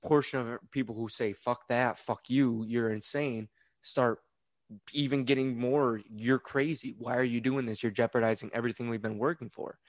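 A man's voice: medium pitch, fairly even intonation, moderate pace, no echo. A young man co-hosting a podcast, chatting casually, agreeable and musing aloud about theories. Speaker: podcast co-host.

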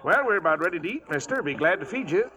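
High-pitched folksy trail hand. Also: male voice, big pitch swings, fast, bright, forceful tone, full character voice. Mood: friendly. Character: folksy, plain-spoken male trail hand. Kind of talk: 1940s radio western acting.

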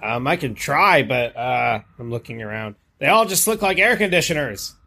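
Husky, bright-voiced suspicious player. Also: male voice, medium pitch, animated, normal speed. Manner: suspicious, probing questions. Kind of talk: in-character tabletop play.

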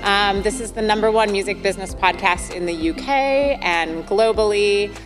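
A woman's voice: mid-range voice, normal speed, music in the background. A woman with a Midwestern American accent hosting a podcast, talking in an enthusiastic, chatty way with fillers. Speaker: podcast host. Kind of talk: podcast intro monologue. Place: arts centre venue. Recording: long hall reverb.

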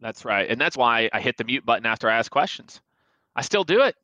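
A quick-talking man in his forties with a bright, forceful tone, speaking as a podcast guest. He is emphatic and animated and keeps breaking into acted-out bits of dialogue. His voice sounds dry and close, with no room around it. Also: medium pitch, no room sound, dull audio. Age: 40s. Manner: animated, emphatic, acts out quoted lines. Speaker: sales expert guest. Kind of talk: energetic podcast advice.

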